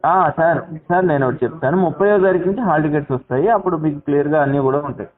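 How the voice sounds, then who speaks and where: A man's voice: fairly high pitch, racing. A man politely explaining official information as helpline staff on a recorded phone call.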